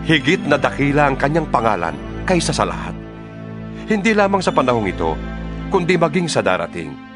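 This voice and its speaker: A man voicing a fervent apostle in a dramatized scripture reading, solemn and exhortatory with deliberate phrasing. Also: on the high side. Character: Paul the apostle, fervent letter-writer to believers. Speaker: scripture reader. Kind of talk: dramatized audio Bible reading, scripted and declamatory. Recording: music bed under the voice. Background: background music.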